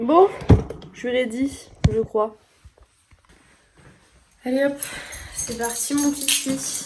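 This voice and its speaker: Speaking at a very slow pace with long, frequent pauses, a high-pitched woman shows ordinary pitch variation. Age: 20s. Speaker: nurse, pediatric nursing student. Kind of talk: casual vlog talk to camera.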